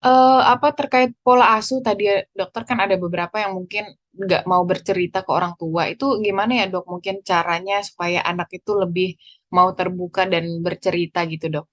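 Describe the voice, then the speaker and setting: A woman's voice: on the low side, steady tone, brisk, dry recording. Woman host, health talk show; upbeat, dry muffled recording.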